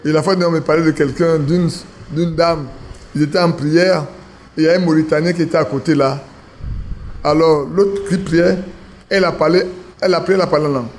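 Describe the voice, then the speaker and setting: Guy preaching in church, chatty, keeps asking the room stuff, kinda high voice. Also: fairly even intonation, a little fast, a little mellow, slight background noise. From Ivory Coast. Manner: conversational, asks the congregation questions. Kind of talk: informal sermon. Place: church assembly.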